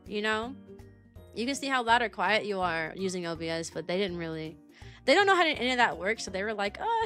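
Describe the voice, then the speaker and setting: A woman's voice: medium pitch, a bit bright. A woman livestream host chatting casually in a rambling way, repeating phrases for emphasis. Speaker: kindergarten teacher. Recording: music playing behind the voice. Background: background music.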